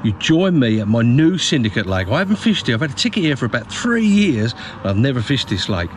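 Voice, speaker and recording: A man talks straight into a handheld camera held at arm's length out in the open, loose and chatty, often stopping to restart a phrase as he explains his kit. His voice sits at an ordinary middle pitch, and steady outdoor background noise runs clearly under the recording. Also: a little fast. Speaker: fishing vlogger. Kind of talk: casual vlog talk to camera. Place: outdoors at a lakeside car park by a van. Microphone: handheld action camera at arm's length.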